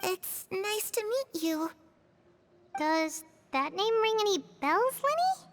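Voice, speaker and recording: A woman voicing a gentle, slightly eerie little spirit girl with a sweet, high voice. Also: animated, takes it slowly, noisy background, full character voice.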